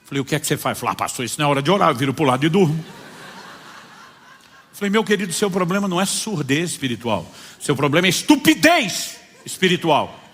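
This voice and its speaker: A man's voice: a little high, rapid-fire, pauses often, slightly rough. A man preaching as a pastor, telling stories and voicing the people in them. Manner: animated storytelling, voicing people in his stories. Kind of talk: sermon with acted-out anecdotes. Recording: long hall reverb.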